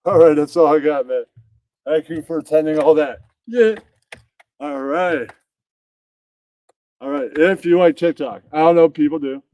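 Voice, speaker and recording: A man's voice: on the high side, moderate pace, pauses often, warm tone, no room sound, far from the mic. Muttering man hosting a casual livestream. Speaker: puppet show host.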